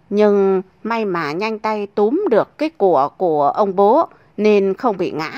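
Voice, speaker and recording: A woman's voice: mid-range voice, dry recording, dull audio. Dry, close woman telling jokes. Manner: lively, storytelling. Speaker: joke narrator. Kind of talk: reading comic stories.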